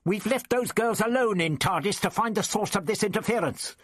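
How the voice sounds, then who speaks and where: A man voicing a crotchety, lofty elderly time traveller, with a husky voice in a dismissive, lecturing manner. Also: high voice, fairly quick, a bit bright, no echo, clean studio sound, voice pushed up. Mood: testy.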